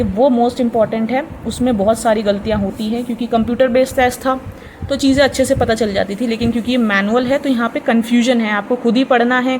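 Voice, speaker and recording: A woman's voice: a little high, slight background noise, poor audio. A woman teacher explaining an exam answer sheet step by step, repeating key points patiently and addressing viewers as friends. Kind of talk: explanatory tutorial lesson.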